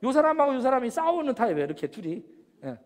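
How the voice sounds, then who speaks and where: A man giving an animated lecture, firing off rhetorical questions and acting out examples. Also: very high voice, very fast. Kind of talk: lecture on personality types. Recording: long hall reverb.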